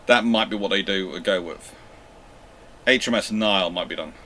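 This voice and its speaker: Reading viewer questions on a live naval history Q&A, the channel's male host answers spontaneously in a deep, sharp-toned voice at a moderate pace. His delivery is halting, packed with ums, fillers and restarts.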